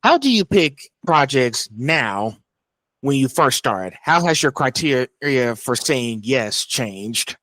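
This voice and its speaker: A man's voice: medium pitch, very animated, slow pace, a bit bright, no echo. Man hosting a casual interview. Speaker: interview host.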